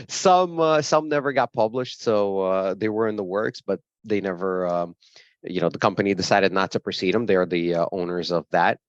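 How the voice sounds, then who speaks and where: A man in his forties with a Brooklyn accent and a low voice. He recounts his past in a relaxed, rambling way, full of fillers and small laughs. The sound is dry and a bit muffled. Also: normal speed, no echo. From grew up in Brooklyn, New York. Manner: frequent fillers, laughs while telling stories. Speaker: guest. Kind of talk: casual interview storytelling.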